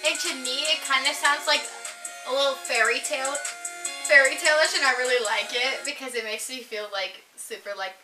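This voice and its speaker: A woman hosts a casual chat in a high-pitched, steady voice at normal speed, with music playing behind her. She's chatty and giggly and uses lots of fillers. The recording sounds roomy, as if the mic is far away.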